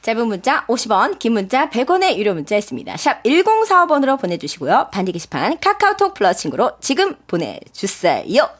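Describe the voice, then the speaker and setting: A woman's voice: fairly high pitch, huge pitch swings, a little fast, hardly any pauses. A woman co-hosting a live radio quiz show, bantering as she presents the questions.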